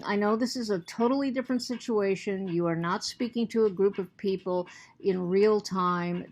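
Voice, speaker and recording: A woman's voice: medium pitch, a little mellow. A woman teacher giving a recorded lecture to her students, earnest, often repeating and restarting words, and she has the hiccups.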